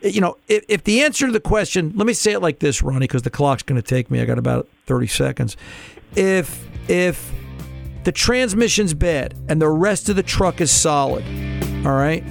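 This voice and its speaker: A man's voice: fairly high pitch, expressive, moderate pace, gravelly, faint music behind. A man hosting a call-in radio car show, chatty and explaining patiently, with frequent restarts.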